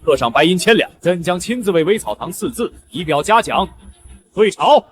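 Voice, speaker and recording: A man's voice: high voice, expressive, normal speed. A man playing a regal emperor in a costume drama, formal and declamatory as he gives decrees. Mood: regal, approving. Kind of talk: costume short drama acting. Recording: music behind the voice.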